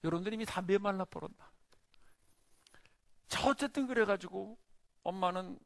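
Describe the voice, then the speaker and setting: A middle-aged male pastor preaching a sermon in a church, telling a story with lively acted-out scenes. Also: high-pitched, moderate pace, creaky, dry recording. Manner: animated storyteller, acts out the scenes.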